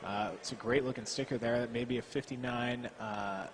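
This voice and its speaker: Mid-pitched young male caster, playful banter, clear event noise behind. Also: fairly even intonation. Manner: playful, quick-witted banter. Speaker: esports co-caster. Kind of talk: play-by-play esports commentary.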